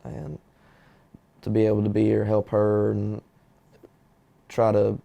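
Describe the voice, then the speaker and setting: Gravelly low young man, halting. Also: level tone. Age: young adult. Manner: halting, soft-spoken, grieving. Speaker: interviewee. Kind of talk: emotional interview.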